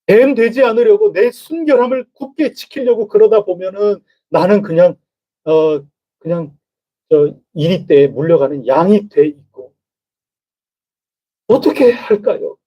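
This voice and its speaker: A male pastor preaching a midweek sermon in a chatty, conversational way, often turning to the congregation with questions. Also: high-pitched. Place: church sanctuary. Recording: dull lo-fi church recording.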